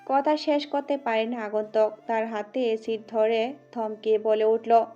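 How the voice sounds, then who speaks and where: A woman narrating a scripted audio story in a steady, dramatic way. Her voice sits slightly high, with a dark, mellow tone. The recording is dull and muffled, with soft music underneath. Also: a little slow.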